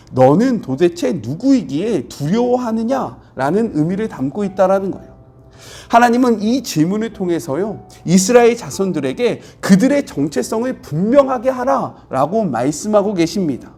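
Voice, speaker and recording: A husky-voiced middle-aged man preaches in a lively, rising-and-falling way. He is a pastor explaining scripture earnestly, with faint music under his voice. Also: high-pitched. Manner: earnest, explanatory, acts out quoted speech with rising intensity. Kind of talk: devotional Bible sermon.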